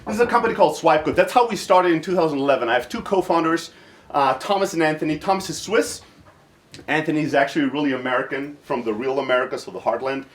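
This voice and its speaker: A man's voice: a little high, quick pace. A man in his thirties from Greece, raised in southern Germany, giving an informal workshop talk in a blunt, irreverent, self-deprecating manner while jet-lagged. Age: 30s. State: jet-lagged, short of sleep.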